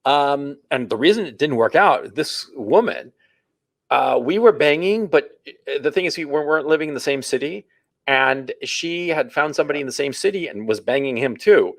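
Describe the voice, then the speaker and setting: A man in his forties, a podcast host, telling a story and giving dating advice in a blunt, crude, animated way. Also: fairly high pitch, normal speed, no echo. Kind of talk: casual dating-advice talk.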